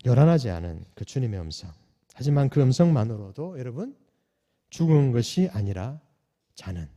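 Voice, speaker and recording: Animated male pastor preaching in a reverberant church. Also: mid-range voice, normal speed. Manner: animated preaching, rhetorical questions to the congregation; swings from loud calls to soft near-whispers. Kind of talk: sermon at a night prayer meeting. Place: church sanctuary. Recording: long church hall reverb.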